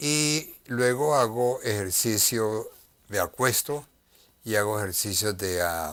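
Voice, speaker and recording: Delivered very slowly, the speech carries lively intonation. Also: man, medium pitch for a man. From Colombia (Cúcuta, Bogotá). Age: 80s+. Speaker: retired pediatrician. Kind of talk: interview. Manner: halting.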